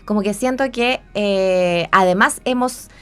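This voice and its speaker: A woman's voice: mid-range voice, a little slow, a bit bright, smooth. A woman with a Chilean accent hosting a casual radio interview in an informal, conversational way. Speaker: radio host.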